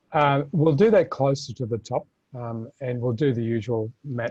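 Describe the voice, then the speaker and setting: A man speaks with an Australian accent. His tone is dark and mellow, and somewhat breathy. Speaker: leadership trainer and coach. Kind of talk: webinar talk.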